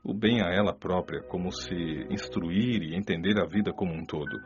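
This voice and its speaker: A man playing a patient, earnest spirit mentor in a radio drama, speaking in a measured, didactic and gently admonishing way. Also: low-pitched. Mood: solemn, instructive. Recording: dull, muffled audio under clear music. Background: music.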